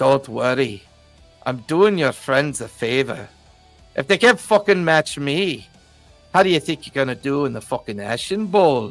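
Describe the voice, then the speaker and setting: A man puts on a growling character voice, fairly high in pitch, speaking at a moderate pace with long, frequent pauses over faint background music. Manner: growling, menacing.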